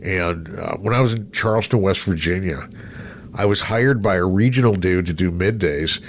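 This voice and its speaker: A mature man from East Texas with a fairly low voice reminisces as a radio guest. His storytelling is casual and halting, trailing off and then acting out what people said. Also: slight background noise. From East Texas, USA. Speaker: radio personality, podcast guest.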